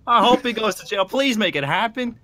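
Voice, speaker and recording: A tabletop game player with a husky voice, chatting casually in slangy banter with friends. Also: mid-range voice, animated, a little fast, a bit bright. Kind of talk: casual slangy gamer chat.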